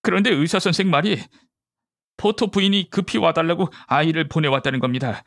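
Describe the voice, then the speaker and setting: A man acting a shaken gentleman witness in an audiobook, with a fairly high male voice. He is polite and hesitant, testifying in distress about a horror, and the sound is close and dry. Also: brisk, dry recording. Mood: polite, uneasy. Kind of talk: audiobook character dialogue.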